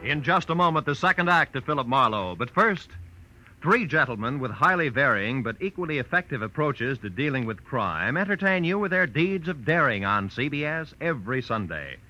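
Bright, animated old-time radio announcer man. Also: mid-range voice, normal speed. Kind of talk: 1940s radio scripted announcing. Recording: muffled old radio broadcast.

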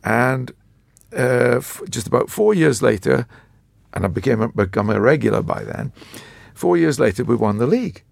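A man in his seventies with a croaky voice, a retired football writer telling rambling, self-mocking stories in a casual chat. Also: mid-range voice, animated, moderate pace, no echo. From Scotland. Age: 70s.

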